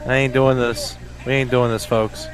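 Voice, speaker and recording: Exasperated man ranting flatly. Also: mid-range voice, normal speed. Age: adult, married. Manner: exasperated, emphatic, repeats refusals. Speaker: podcast co-host. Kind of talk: live reaction chat.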